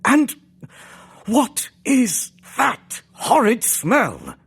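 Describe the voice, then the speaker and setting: An actor playing a prim, disapproving butler in a comedy audio adventure, formal and indignant. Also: male voice, very high voice, wildly swooping pitch, drawn-out words, gravelly, fairly bright tone, breathy edge, heavily acted.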